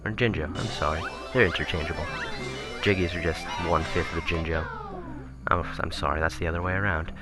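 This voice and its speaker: A man commentating casually on a video game he is playing, rambling and correcting himself, his voice turning raspy. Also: deep voice, fairly even intonation, a little fast. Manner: rambling, self-correcting, chuckling asides. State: voice getting raspy. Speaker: let's play commentator. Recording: game music playing behind.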